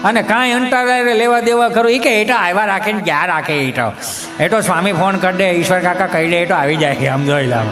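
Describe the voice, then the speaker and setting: A man's voice: high-pitched, fast, long reverb tail. A middle-aged man with a Kathiyawadi Gujarati accent telling mocking, preachy folk comedy stories on stage. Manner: storytelling, mocking, preachy asides. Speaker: stand-up comedian. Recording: live show with music behind.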